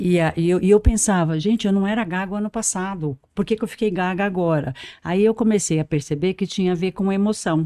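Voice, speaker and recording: Talking at a fairly quick pace with hardly any pauses, a woman uses a medium pitch, a dark, mellow tone and ordinary pitch variation, in a dry, close sound with no echo on a very clean recording with a silent background. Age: 70s. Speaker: communication mentor. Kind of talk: interview.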